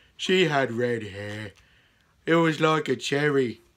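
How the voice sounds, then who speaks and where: In a very clean recording with a silent background, a man puts on a cartoonish character voice at a medium pitch and a fairly slow pace. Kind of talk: comic overacting. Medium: puppet show. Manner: rambling, silly, mood swings.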